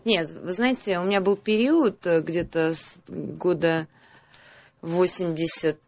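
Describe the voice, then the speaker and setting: A woman's voice: fairly low pitch, a little slow, darkish tone, dry recording. A woman taking part in a talk show as a guest, speaking in casual conversation.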